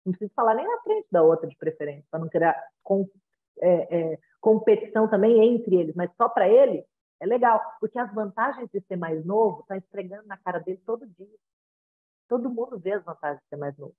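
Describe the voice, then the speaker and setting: Speaking briskly and animatedly in a medium-pitched voice, a Brazilian-accented parenting consultant chats with parents, frequently tossing in tag questions and role-playing short parent-child exchanges. The audio sounds tinny, like a phone line.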